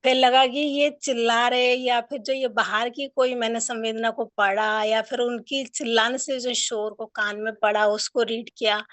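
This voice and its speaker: A woman student speaks in a rather high voice, earnest and a little rambling as she shares her reflections. The recording is dry, with no room echo. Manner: earnest, rambling, addresses teacher as didi. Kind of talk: casual sharing in an online class.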